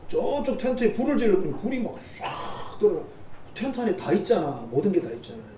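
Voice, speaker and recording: Middle-aged man, pastor, mellow sermon voice, off-mic and echoey in the sanctuary. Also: on the high side, slight background noise. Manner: conversational, teasing asides to the congregation. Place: church sanctuary. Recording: roomy church sound from a distant mic.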